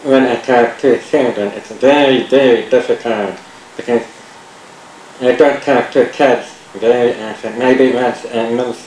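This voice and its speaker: A middle-aged man taking part in a study, repeating sentences and chatting in a slow, carefully articulated way. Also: medium pitch, fairly even intonation, darkish tone. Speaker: research participant. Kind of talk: repeating sentences and casual chat. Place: small lab room indoors. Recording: echoey room, faint tape hiss.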